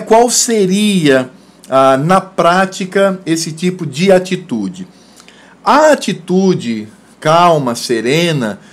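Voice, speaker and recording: A Brazilian man, a pastor, giving a children's sermon in a patient, explaining way. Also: a little high.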